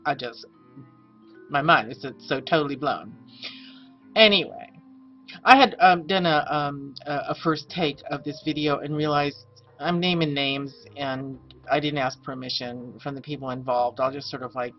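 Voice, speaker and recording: A woman's voice: deep voice, steady tone, normal speed. Chatty, rambling woman in her fifties. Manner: chatty and rambling, many fillers. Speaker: astrologer. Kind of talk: casual personal vlog update. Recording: dull lo-fi webcam audio, faint music.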